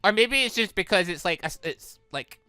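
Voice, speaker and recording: A let's play host rambling through casual commentary and reading visual novel dialogue aloud, often repeating and rephrasing while thinking out loud. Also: mid-range voice, animated, a little fast, no room sound. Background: game music.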